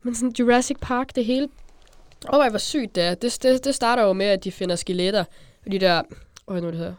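A teenage woman with a Zealand Danish accent, co-hosting a casual podcast and telling stories in a chatty, animated way. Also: medium pitch, smooth, dry recording. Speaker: podcast co-host.

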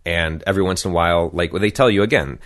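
A man's voice: sits low, quick pace, a bit bright. An American man, a podcast guest, telling stories casually with profanity and mimicked voices. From United States. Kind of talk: casual storytelling.

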